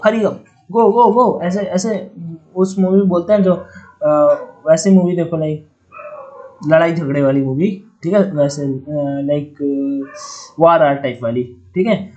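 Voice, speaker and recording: A man's voice: sits high, a little mellow, dull audio. A man giving a casual online vocabulary lesson for exam students. He explains words with joking memory tricks and talks to viewers like a friendly older brother.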